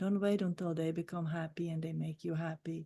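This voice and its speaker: A woman with a Slovak accent speaks at a moderate pace in a fairly low, dark and mellow voice. The background is quiet. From Slovakia. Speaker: spiritual author. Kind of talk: podcast interview.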